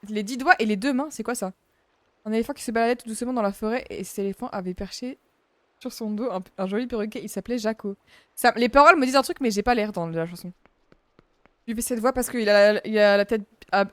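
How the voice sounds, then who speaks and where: A woman's voice: a little high, dry recording. A woman in her twenties chatting casually with her viewers while playing a game, rambling and talking to chat. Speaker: streamer. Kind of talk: casual gaming commentary. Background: faint game music.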